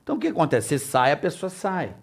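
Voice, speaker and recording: A man's voice: on the high side, wildly swooping pitch, fast talker, creaky, very noisy. A father in casual chat, emphatic and profane, firing rhetorical questions while telling a story.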